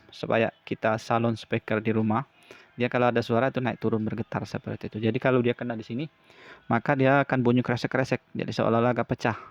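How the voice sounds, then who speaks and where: A man talks through a hands-on tutorial with a very even, monotone pitch. He explains step by step, haltingly and with repetition. The sound is dry and somewhat muffled, like a simple lo-fi recording. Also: no echo. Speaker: repair tutorial presenter.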